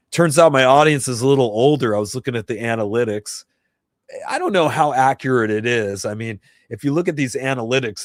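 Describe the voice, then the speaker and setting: A man's voice: fairly low pitch, no echo, studio quality. A man in his fifties from New Jersey, chatting casually and rambling with viewers on his livestream, chuckling now and then. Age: 50s. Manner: rambling, laid-back, chuckles often. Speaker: livestream host and guitarist.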